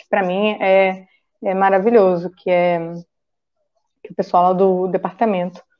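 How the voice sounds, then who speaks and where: A woman speaks with a Rio de Janeiro accent. Her pace is fairly slow and her pitch medium. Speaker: psychologist and university lecturer. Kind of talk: interview answer.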